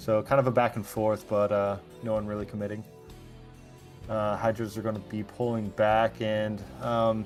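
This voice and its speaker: A man's fairly low-pitched, monotone, flat voice at a moderate pace, with long, frequent pauses and music in the background. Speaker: esports co-caster. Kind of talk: live game commentary.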